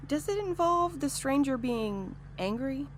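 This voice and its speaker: A woman's voice: sits high, animated, measured pace, slight background noise. A woman playing a sensible, anxious peacemaker with dry humour in an audio drama. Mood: matter-of-fact.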